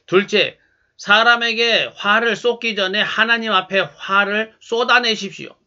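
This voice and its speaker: A male pastor preaching a sermon in a calm, measured, instructive way. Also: high voice, dull audio.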